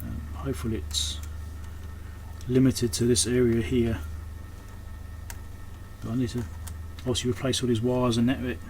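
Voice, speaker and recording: At an indoor repair workbench, an electronics repairer and video host speaks in a medium-pitched, flat, somewhat dark voice at normal speed with long pauses. His commentary is casual and unscripted, thinking aloud during hands-on repair and often trailing off mid-thought. The rough recording carries clear background noise and room ambience.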